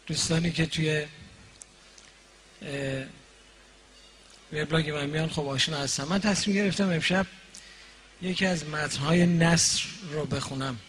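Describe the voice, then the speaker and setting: A man introducing his own satirical prose in a relaxed, soft-spoken way before reading it aloud. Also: a little high, slight background noise. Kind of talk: live reading of comic prose.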